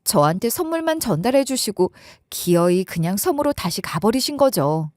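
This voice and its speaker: A woman's voice: mid-range voice, very animated, normal speed, a little mellow, no echo, clean studio sound. A young woman telling a first-person story in a chatty, conversational way.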